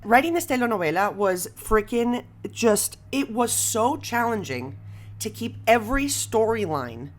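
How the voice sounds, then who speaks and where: A woman hosting a casual podcast conversation, expressive and exclamatory, slipping Spanish phrases into her English. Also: on the high side, a little slow. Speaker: podcast host and comedy writer.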